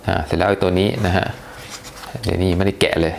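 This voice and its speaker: Male tech reviewer, low gravelly voice, chatty unboxing, faint hiss behind. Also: flat delivery, fast talker. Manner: chatty, hesitant, lots of polite particles.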